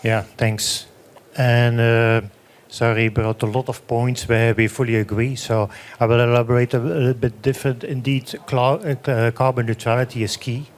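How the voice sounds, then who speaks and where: Flat-voiced man on an industry panel. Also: medium pitch, normal speed. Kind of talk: panel discussion remarks.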